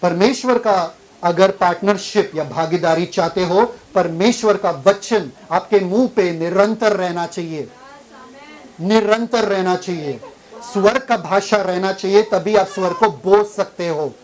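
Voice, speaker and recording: A man's voice: high-pitched, unhurried, low-quality recording. A man, a pastor, preaching a sermon and pressing the congregation with questions. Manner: questions the congregation and drives for answers.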